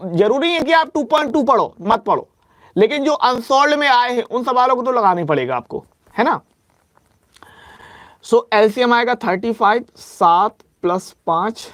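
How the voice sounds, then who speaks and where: A man's voice: high-pitched, no room sound. A young man teaching an exam-prep maths lecture, working through sums aloud and repeating reminders to be careful. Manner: drills reminders, works sums aloud step by step; slows to dictate formulas, speeds up for asides.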